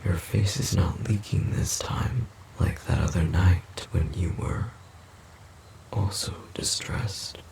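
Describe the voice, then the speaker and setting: A man playing a gentle, puzzled forest demon in an audio roleplay, speaking haltingly and formally in a breathy, gravelly half-whisper. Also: deep voice, fairly even intonation, full character voice. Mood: hesitant, puzzled. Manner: halting, formal, literal-minded speech. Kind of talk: audio roleplay, slow character acting.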